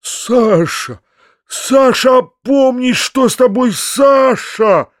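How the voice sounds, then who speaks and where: A man voicing a helpless, soft-hearted father in a storybook reading, crying out and imploring. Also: very high-pitched, animated, slow, no echo, studio quality, voice pushed up, exaggerated voice. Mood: horrified.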